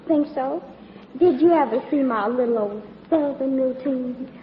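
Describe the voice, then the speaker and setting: An actress playing a sly, self-assured movie star in a 1940s radio comedy. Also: female voice, high voice, measured pace, a little hiss or hum. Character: confident young movie actress, scheming and sly. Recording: echoey, lo-fi old radio broadcast.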